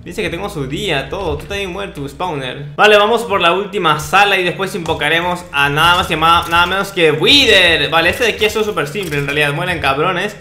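A man's voice: high-pitched, brisk, few pauses, sharp tone. A young man with a Peruvian Spanish accent giving casual, cocky, mock-boastful commentary on a video game. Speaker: gaming video host. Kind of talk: casual Minecraft gameplay commentary. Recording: roomy sound with faint background noise.

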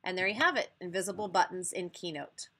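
An American woman teacher giving a spoken software tutorial for a webinar, explaining step by step. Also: fairly low pitch, a little fast. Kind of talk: spoken software tutorial over screen demonstration.

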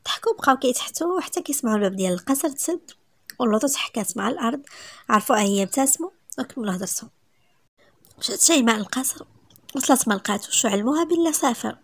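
A woman with a Moroccan accent reading a romance story aloud, brisk and even, dropping to a soft whisper at times. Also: a little high, dry recording.

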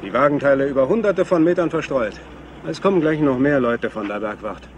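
An actor playing a matter-of-fact mountain police sergeant in a German crime radio play, explaining things practically. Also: male voice, mid-range voice, fairly quick, highs cut off, close to an everyday voice. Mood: businesslike. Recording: noisy outdoor car ambience.

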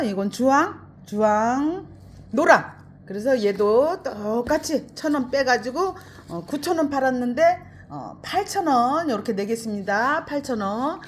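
A woman's voice: fairly high pitch, slight background noise. A middle-aged woman selling potted plants in a casual chat, repeating her words and addressing her viewers fondly. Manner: chatty, repeats words, talks to viewers as "flower friends". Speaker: plant seller hosting a sales stream.

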